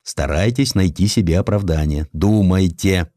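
A man's voice: deep voice, normal speed, dark tone, no room sound, studio quality, close to an everyday voice. A man voicing a crusty but kindly admiral in a dramatised audiobook, brusque and commanding, then coaxing. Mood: firm, wry. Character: crusty, blunt, kindly protective male admiral. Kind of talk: Russian audiobook character acting.

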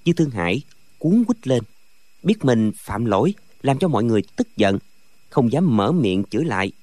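A man narrating a martial arts novel as an audiobook, with expressive storytelling. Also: mid-range voice, normal speed, no echo.

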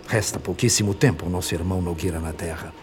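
A compassionate, pensive spiritual mentor acted by a man in a radio drama. He speaks solemnly in a very deep voice, with prominent music underneath. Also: fairly even intonation, fast, lightly acted. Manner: pondering, solemn.

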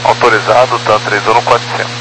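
A man's voice: lowish voice, flat delivery, fast talker, heavy background noise. A male pilot, heard over an aviation radio, giving terse routine readbacks in clipped radio phraseology.

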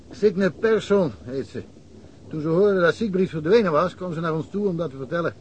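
Rambling village police chief played by a man, slightly high voice, faint hiss on an old radio-play recording. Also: animated, normal speed, darkish tone, natural voice. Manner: rambling, anecdotal storytelling.

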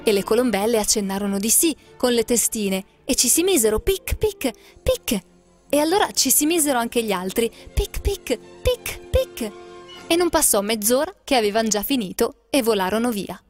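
A woman reads a fairy tale aloud with a lilting, expressive delivery. Her voice sits somewhat high, and soft music plays faintly behind her. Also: fairly quick, hardly any pauses. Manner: lilting, expressive storybook reading. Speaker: storyteller. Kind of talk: scripted fairy-tale narration.

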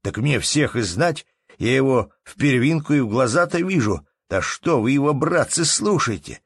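A man voicing a hot-tempered innkeeper who scolds loudly in folksy speech. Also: lowish voice, expressive, slow, dry recording, studio quality, full character voice. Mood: angry.

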